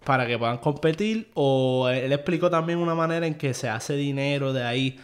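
A man's voice: mid-range voice, moderate pace, clean tone. A man hosting a podcast in a loose, easygoing chat. He rambles from point to point and drops English phrases into his as he goes. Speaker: podcast host. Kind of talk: casual chat.

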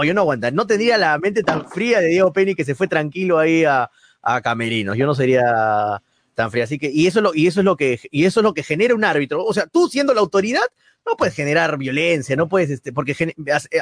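A man's voice: on the high side, no room sound. A man with a Peruvian Spanish accent, co-hosting a sports talk show in heated football commentary, emphatic and indignant. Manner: emphatic, indignant, repeats words.

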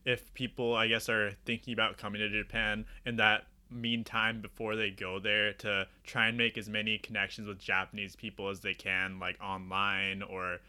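A man's voice: lowish voice, little pitch movement, normal speed, few pauses, bright, forceful tone. A man co-hosting a casual interview, listening attentively and following up with a question. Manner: attentive, frequent backchannels. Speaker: co-host interviewer.

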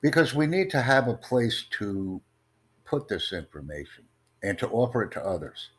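A man hosting an online voice chat, talking in a formal, measured, promotional way. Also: mid-range voice, animated, a bit bright. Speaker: host of online conversation. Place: in the United States.

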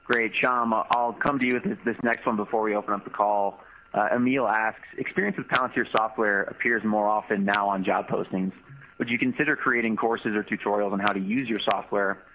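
A man's voice: lowish voice, fairly even intonation, brisk. A man moderating an earnings call, handing over to speakers and reading out submitted questions. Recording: muffled call audio with faint noise.

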